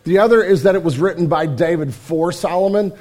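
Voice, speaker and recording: Male pastor, hoarse raspy voice, high pitch, earnest emphatic sermon. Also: fairly quick, darkish tone. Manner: earnest, emphatic preaching with repetitions. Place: church sanctuary.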